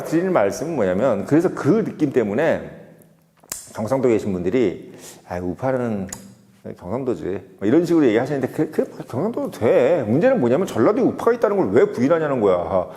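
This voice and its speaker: A man's voice: mid-range voice, very animated, brisk, warm tone, in a large hall. A man giving an emphatic political opinion monologue, full of rhetorical questions. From Seoul. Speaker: political commentator.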